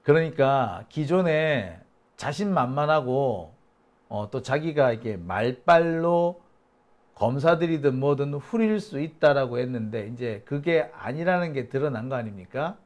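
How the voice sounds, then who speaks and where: A man's voice: mid-range voice, lively intonation, measured pace. A man hosting a live political commentary stream, talking in a combative, mocking way with bursts of swearing, and reading out viewer chat comments. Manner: combative, mocking, profane outbursts. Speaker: political commentary channel host.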